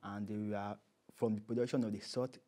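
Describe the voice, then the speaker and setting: A man's voice: on the low side, fairly even intonation, normal speed, dark tone. A man with a Nigerian accent speaking as an interview guest, conversational and emphatic, often repeating his key phrases.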